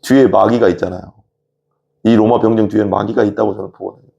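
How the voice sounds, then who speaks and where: Male pastor, conversational sermon, low gravelly voice. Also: steady tone, fast, dark tone, highs cut off. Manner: conversational explanation with rhetorical questions.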